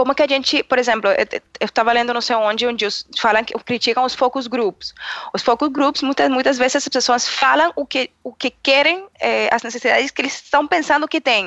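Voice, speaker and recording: Here a woman speaks in a high pitch at a moderate pace. Her pitch varies in an ordinary way. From Colombia. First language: Spanish (speaking Portuguese). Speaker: design professor. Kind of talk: casual chat.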